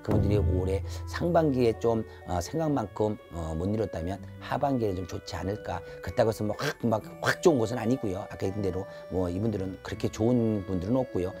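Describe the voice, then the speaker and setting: A man's voice: lowish voice, fast talker, few pauses. A man in his fifties giving an earnest, advisory zodiac fortune reading to camera as a shaman, repeating his phrases as he goes. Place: indoor shrine room. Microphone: lapel mic. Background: background music.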